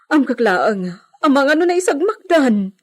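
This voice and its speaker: A woman's voice: high voice, very animated, normal speed. A woman as a loyal, reassuring housemaid. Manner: respectful, reassuring. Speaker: servant. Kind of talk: amateur audio drama acting.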